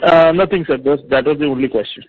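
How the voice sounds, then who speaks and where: A man's voice: on the high side, fast talker, slight background noise. A man with an Indian accent asking questions as an analyst on an earnings call, polite and hesitant. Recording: thin, patchy phone line.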